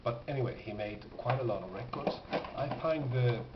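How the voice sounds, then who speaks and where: Male collector, casual halting presenter; dull sound with clear noise. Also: mid-range voice. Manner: halting, pausing, thoughtful delivery. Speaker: record collector presenting finds. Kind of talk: casual unscripted show-and-tell. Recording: dull, noisy, echoey home recording.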